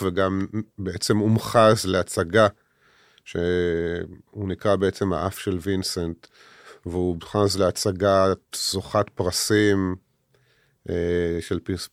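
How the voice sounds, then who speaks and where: Man in his fifties, very low voice, smooth clear tone, halting speech, dry close sound. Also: no echo. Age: 50s. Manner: halting, many hesitations and restarts; earnest, heavy. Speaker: guest, author and army veteran. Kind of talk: personal interview talk.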